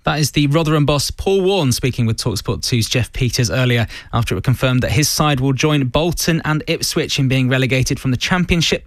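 A man's voice: mid-range voice, dry recording. A British man presenting live sport on the radio from a studio, with an emphatic broadcast delivery. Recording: music behind the voice. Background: music.

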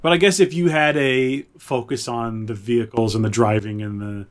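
A man with a medium-pitched voice co-hosts a casual pop-culture podcast. He talks like a keen fan, informally, often thinking out loud as he speaks. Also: steady tone, moderate pace. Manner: enthusiastic fan talk, thinking aloud. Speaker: podcast co-host.

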